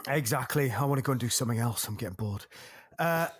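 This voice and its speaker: A man's voice: mid-range voice, expressive, quick pace, slightly rough. A man co-hosting a podcast, chatting in enthusiastic, sweary banter. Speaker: podcast co-host. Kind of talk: casual chat.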